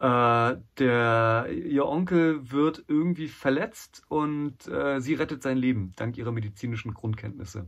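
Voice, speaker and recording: The pace is very slow, with hardly any pauses. Pitch variation is ordinary. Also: man, medium pitch for a man. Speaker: writing podcast co-host. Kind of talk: casual chat.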